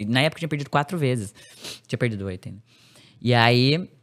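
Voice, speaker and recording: A woman guest on a podcast, telling a personal story in casual, slangy speech and acting out the quoted lines with big jumps in pitch. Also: quick pace. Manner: animated, acts out quoted dialogue with sharp pitch jumps; casual slangy speech, many fillers and restarts.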